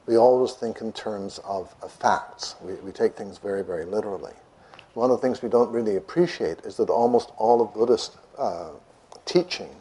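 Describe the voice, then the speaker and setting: A man with a notoriously soft voice, a meditation teacher answering questions from an audience in a lecture room, gently restarting his words. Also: fairly low pitch. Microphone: microphone.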